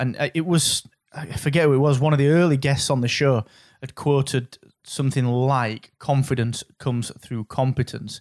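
With a northern English accent, a man speaks at a moderate pace and medium pitch with fairly even intonation. The sound is dry and close with no echo. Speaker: podcast host. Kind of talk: interview.

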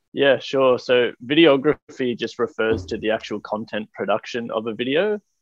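Lively in intonation, a man with a medium pitch talks at a moderate pace with hardly any pauses. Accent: Australian. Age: 20s. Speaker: videographer and business founder. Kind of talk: interview.

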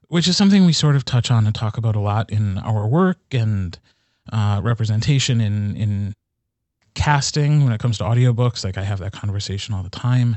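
A man with a normal speaking voice talks at a fairly quick pace and a fairly low pitch, with ordinary pitch variation. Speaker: podcast host and audiobook narrator. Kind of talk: casual chat.

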